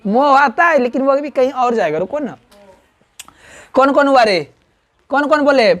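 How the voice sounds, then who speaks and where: Teaching a grammar lesson to a class, a man with a Bihari Hindi accent fires questions at the students and checks in with them constantly, quizzing them call-and-response style and repeatedly asking "right?" His voice is extremely high and fairly bright, with lively intonation at a normal speed.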